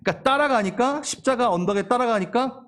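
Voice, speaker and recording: A middle-aged man preaching a sermon as pastor, animated and playful, acting out quoted lines and laughing at his own jokes. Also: extremely high pitch, fairly quick.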